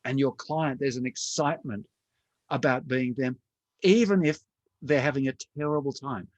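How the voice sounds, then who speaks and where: A man's voice: mid-range voice, normal speed, no echo. A man giving an online conference lecture in a conversational way, speaking to listeners by name.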